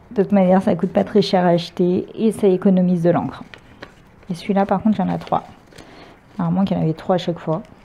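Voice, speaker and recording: A woman talks at a very fast pace yet leaves long, frequent pauses, her intonation monotone and flat. Noticeable background noise is present. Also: medium pitch for a woman. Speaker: crafting youtuber. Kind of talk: product unboxing. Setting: at home, cat on table. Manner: hesitant, many fillers.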